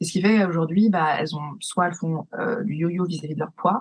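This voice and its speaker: A somewhat breathy woman's voice, fairly low in pitch, at a moderate pace with ordinary pitch variation. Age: 30s. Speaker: therapist, emotional eating coach. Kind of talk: podcast interview.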